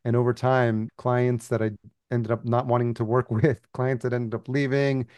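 A man's voice: medium pitch, flat delivery, moderate pace, darkish tone, no room sound. A man from El Salvador, a podcast agency founder, telling his story as a guest in a casual interview and laughing easily.

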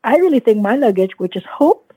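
A woman in her fifties from Vietnam, a guest telling her story in an earnest, reflective way, often pausing with "you know.". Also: fairly high pitch, big pitch swings, phone-quality sound, crowd noise. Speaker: guest, dentist and coach. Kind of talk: casual podcast interview.

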